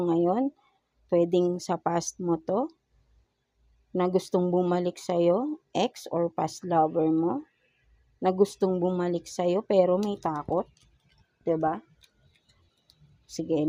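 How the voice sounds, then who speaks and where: A woman with a fairly low pitch and dark tone reads tarot casually in a Filipino accent, mixing Tagalog and English. As she draws cards she slowly murmurs pleading, coaxing rhetorical questions; there's no echo, but the audio is poor.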